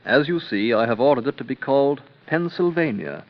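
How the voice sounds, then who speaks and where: A man's voice: medium pitch, expressive, brisk, natural voice. A man playing a wry, amused king. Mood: amused, courtly. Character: genial, wry, spendthrift adult male king. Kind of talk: 1930s radio drama acting. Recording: dull lo-fi old radio transcription.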